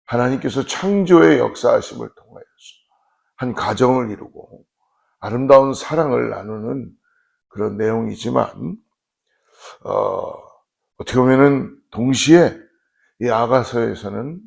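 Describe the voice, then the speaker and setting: A male pastor giving an early morning sermon, speaking slowly and measured with frequent pauses and fillers. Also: medium pitch, gravelly, a little mellow. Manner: slow measured preaching with fillers.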